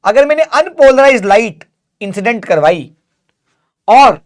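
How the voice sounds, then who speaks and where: A man's voice: extremely high pitch, lively intonation, unhurried. Male physics teacher, revision lecture, casual and direct, answers his own questions. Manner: asks students questions then answers them; calls students "beta", casual and direct.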